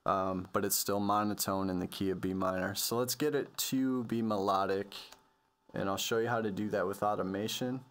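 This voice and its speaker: A man with a low voice presents a music production tutorial. He explains things casually and loosely, with plenty of slang, as if working it out as he goes. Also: normal speed. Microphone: computer voice-over on a microphone.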